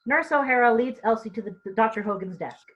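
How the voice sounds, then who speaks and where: A woman's voice: fairly high pitch, fast talker, a bit bright, husky, lo-fi sound. A woman reading stage directions in an informal read-through, tripping over and repeating words now and then.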